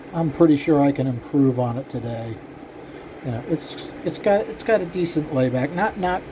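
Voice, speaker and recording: An older man who ports cylinder heads chats casually with his viewers about his work, rambling and poking fun at himself with plenty of fillers. His voice sits on the high side with a dark tone. The recording is low quality, with slight background noise.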